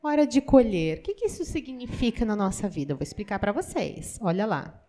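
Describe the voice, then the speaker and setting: A Brazilian woman voicing a deaf pastor's sermon in an animated way, asking the audience many questions and acting out what people say. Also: medium pitch, fairly quick. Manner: acts out quoted everyday voices. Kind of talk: interpreted sermon.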